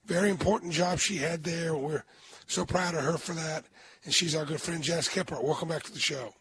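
A man with a hoarse voice hosting a radio talk show, chatting in a folksy, emphatic way and often restarting his sentences. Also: a little high, fairly even intonation, a little fast, a bit bright, a little hiss or hum.

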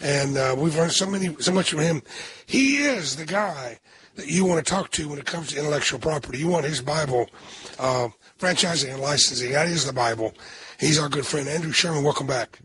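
Hoarse older man hosting a talk show. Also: on the high side, animated, a little fast, fairly bright tone. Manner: chatty, rambling with restarts. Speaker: radio talk show host. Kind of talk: radio talk show interview.

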